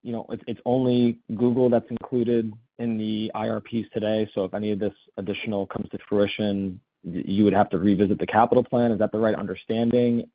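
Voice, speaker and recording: Low-pitched male analyst on a phone line. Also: little pitch movement, brisk, no room sound. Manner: casual, polite. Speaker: financial analyst asking questions. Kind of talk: earnings call questioning. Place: phone call. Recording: dry, thin phone line.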